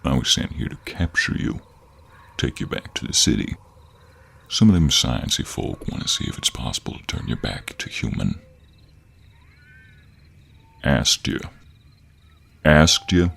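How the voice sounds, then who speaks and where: Man playing a very deep, gravelly cowboy monster hunter. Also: very animated, a little slow, pauses often, fairly bright tone, heavily acted. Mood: teasing, reassuring. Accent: American cowboy drawl. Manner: drawling, teasing, folksy. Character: gruff, teasing male cowboy monster hunter with gentlemanly streak. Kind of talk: intimate audio roleplay acting.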